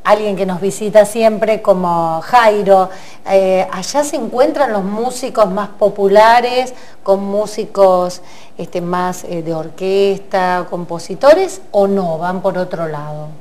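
A middle-aged woman hosting a TV studio talk show, lively and chatty, jumping in with quick remarks. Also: medium pitch. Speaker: TV host. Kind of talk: casual TV chat. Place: TV studio set at a table.

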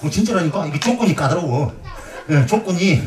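A man's voice: on the high side, animated, brisk, a little mellow. A man performing as a pumba street entertainer, out of breath, joking and teasing the crowd on an outdoor festival stage. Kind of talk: live comic stage banter. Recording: roomy, distant, crowd noise.

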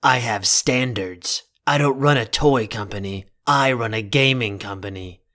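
Man acting stern young executive, protective, deliberate, formal, commanding, audio drama. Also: mid-range voice, sharp tone. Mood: firm, dismissive. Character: stern young male CEO and protective older brother.

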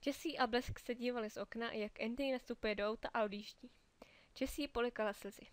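A woman reading a children's storybook aloud in a clear, lively way, giving the characters small voices of their own. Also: fairly high pitch, dry recording.

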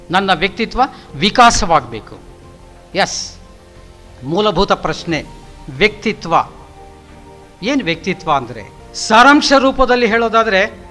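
A middle-aged male professor delivers a motivational lecture in a high, sharp voice. He's emphatic, driving his points home with repetitive lists and sprinkling in English phrases.

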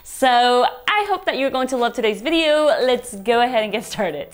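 A woman in her thirties, a lifestyle vlogger, talking through her meal prep in a relaxed, friendly voice-over. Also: fairly high pitch, normal speed, soft background music. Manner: friendly, relaxed instructional talk with upbeat lifts. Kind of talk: cooking voice-over, casual how-to.

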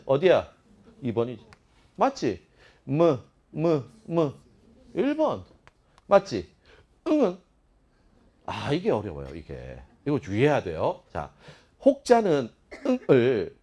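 A man teaching a lively classroom lecture, playfully sounding out speech sounds and firing teasing questions at his students. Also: medium pitch, dull audio. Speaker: Korean language teacher.

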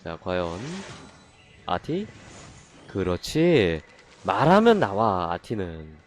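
Over soft background music, a man with a low voice speaks slowly in a casual live stream about game gacha pulls. He's excitable, moving from calm explanations to loud, exasperated outbursts.

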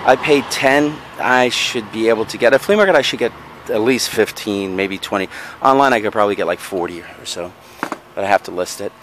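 A lower-pitched man chats his way through a show-and-tell of his purchases, hedging and correcting himself as he goes. He is recorded outdoors on a handheld camera mic. Faint outdoor noise and passing vehicles sit under his voice. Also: brisk. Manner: rambling, frequent ums and self-corrections. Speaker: vlogger showing resale finds. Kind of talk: casual show-and-tell narration. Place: outdoors in a backyard patio.

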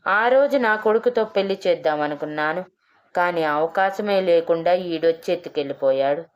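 A woman's voice: fairly low pitch, smooth, natural voice. A woman voicing a meddling older male village president who taunts and gossips in a storybook reading. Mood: scolding.

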